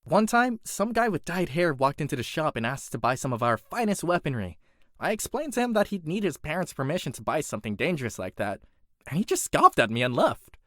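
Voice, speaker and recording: For a character voice reel, a performer portrays an animated series' young blacksmith, an earnest workaholic, in an annoyed mood with a vivid, swooping delivery. The medium-pitched voice moves briskly, conversational and dutiful with a hint of adventure, in a dry, close recording.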